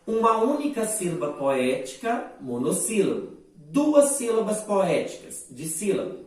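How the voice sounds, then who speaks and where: Brazilian male literature teacher, slow and explanatory, set back from the mic in a very echoey room. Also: fairly high pitch, distant mic. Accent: Brazilian Portuguese. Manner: slow, explanatory, with frequent "né" and "tá" checks. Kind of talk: recorded online class lecture.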